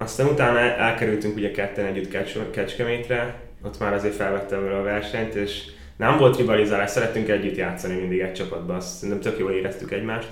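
Talking at a very fast pace, a man with a fairly low pitch and fairly even intonation is heard through audible room echo and noticeable background noise. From Hungary, Baja. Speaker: professional basketball player. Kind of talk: interview.

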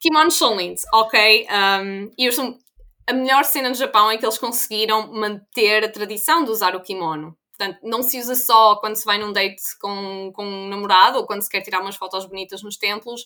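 A woman's fairly high voice, bright and sharp in tone, with ordinary pitch variation, a moderate pace and big swings in loudness. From northern Portugal. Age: 20s. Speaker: PhD student and Instagram creator. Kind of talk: casual interview chat.

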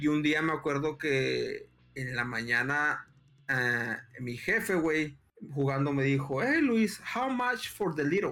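A man with a Mexican accent, fairly high pitch, lively intonation, and a very slow pace. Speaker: podcast co-host. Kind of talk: casual chat.

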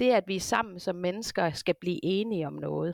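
With an unremarkable speaking voice at medium pitch, a woman talks at a fairly slow pace with ordinary pitch variation, in a very clean, dry, close recording with a silent background and no echo. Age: 50s. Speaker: nurse and nursing lecturer, researcher. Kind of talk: interview about research.

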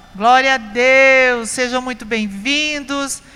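With a warm tone and fairly even intonation, a woman speaks in a high voice. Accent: Brazilian. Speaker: group leader and preacher. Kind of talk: fervent prayer and exhortation. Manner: fervent, emotional; warm, reassuring, speaking as Mary.

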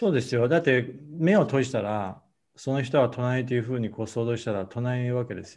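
With an unremarkable speaking voice, a man of medium pitch talks at a fairly quick pace, his pitch varying in an ordinary way while his loudness swings widely. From Taiwan. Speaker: serial entrepreneur and podcast co-host. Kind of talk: casual chat.

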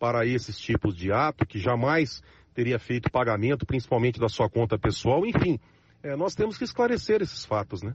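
A somewhat breathy man talks at a moderate pace in a medium pitch. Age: 40s. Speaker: city councillor. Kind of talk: news interview.

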